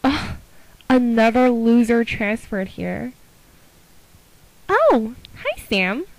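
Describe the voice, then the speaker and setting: A woman's voice: fairly high pitch, very animated, extremely slow, exaggerated voice, rough recording. A woman voicing a snobbish teenage mean girl, by turns disdainful and syrupy, in an amateur voice audition. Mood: sweet.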